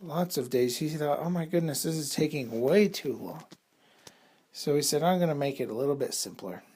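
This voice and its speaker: Slow, husky man telling a bedtime story. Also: medium pitch, darkish tone. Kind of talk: improvised bedtime storytelling to children.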